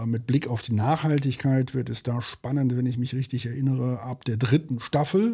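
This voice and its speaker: Medium-pitched male voice with a dark, mellow tone, somewhat breathy, fairly even intonation, a moderate pace and hardly any pauses. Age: 50s. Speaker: podcast host, investment firm editor. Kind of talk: interview-style casual chat. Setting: studio.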